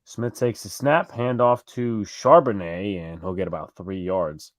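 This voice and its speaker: Speaking at a measured pace in a low-pitched voice, this New York–accented man is recorded in clean studio sound with no echo. He co-hosts a live fan stream, calling plays and chatting with viewers in a loose, self-correcting way.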